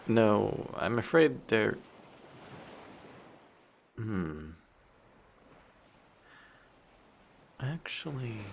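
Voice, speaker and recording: A man voicing a flirty, possessive sea monster in human guise for an intimate roleplay audio drama, measured and politely menacing. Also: mid-range voice, vocal fry, a little hiss or hum, exaggerated voice. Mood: teasing, pondering.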